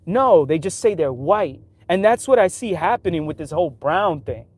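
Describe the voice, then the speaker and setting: A man's voice: a little high, expressive, moderate pace, darkish tone. A man talking casually in a livestream, giving his opinions in loose street talk full of "like" and "right?". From New York City.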